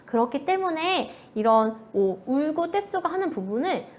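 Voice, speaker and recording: A woman's voice: sits high, big pitch swings, moderate pace. A young adult woman giving a live online lecture on early childhood education to parents, acting out parents and children in quoted lines. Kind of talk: live online lecture answering viewer questions.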